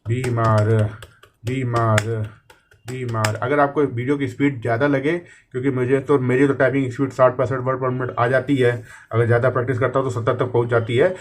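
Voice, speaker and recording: A man teaching a typing lesson, patiently explaining and drawing out each word slowly as he types it. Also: mid-range voice, level tone, a little hiss or hum. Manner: patient, repeats words slowly while typing them. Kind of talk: screen-recorded typing lesson. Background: keyboard clicks.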